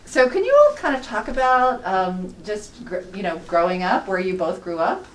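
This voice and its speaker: A woman's voice: medium pitch, lively intonation, normal speed. A woman conducting an informal oral history interview, putting questions to her guests. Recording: echoey room, distant mic, faint noise.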